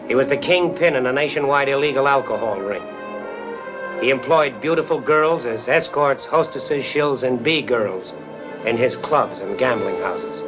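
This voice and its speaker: An actor playing a hard-bitten ex-con who narrates in a terse, world-weary film noir manner. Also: male voice, mid-range voice, natural voice. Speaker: narrator and lead. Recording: dull old film soundtrack with clear music.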